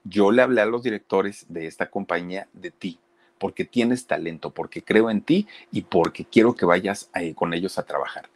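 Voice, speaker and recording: A man's voice: sits low, moderate pace. A man playing a stern school director. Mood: persuasive. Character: stern male conservatory director, older.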